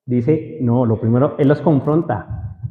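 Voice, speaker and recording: A man's voice: medium pitch, unhurried. A man preaching a sermon to a congregation, often asking the listeners questions. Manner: asks the audience frequent questions. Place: church hall. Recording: roomy hall echo, dull lo-fi sound.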